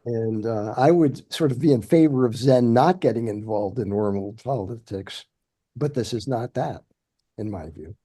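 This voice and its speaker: Mellow-voiced man sharing his view. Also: mid-range voice, moderate pace. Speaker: group member. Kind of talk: discussion comment.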